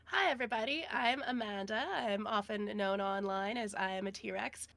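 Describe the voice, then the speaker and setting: A woman with a gravelly voice, hoarse from being sick, chatting casually and jokily as a player on a tabletop game stream. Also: mid-range voice, moderate pace, a bit bright, no echo. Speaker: player on an actual-play stream. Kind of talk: casual introduction chat.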